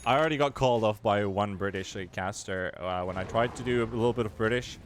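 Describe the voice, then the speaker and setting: A man's voice: fairly low pitch, fast talker, a little hiss or hum. A man doing play-by-play commentary as an esports caster, his voice climbing during fights.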